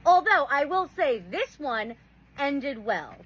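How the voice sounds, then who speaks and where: A woman's voice: sits high, expressive, slow, a bit bright, slight background noise, poor audio. A young woman hosting, telling funny stories in casual chat and laughing often. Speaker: host.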